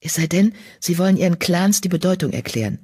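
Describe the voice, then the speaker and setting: A woman voicing a calm, kind young female medicine cat in an audiobook, speaking softly and reassuringly. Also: on the low side, fairly quick, husky. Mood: soothing. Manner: soft, soothing, reassuring. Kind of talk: audiobook character voice.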